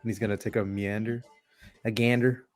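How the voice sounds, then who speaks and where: Male tabletop player, lower voice, loose and crude joking, light music under. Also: little pitch movement, a little fast, a little mellow. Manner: profane, laughing, playful. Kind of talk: casual joking banter.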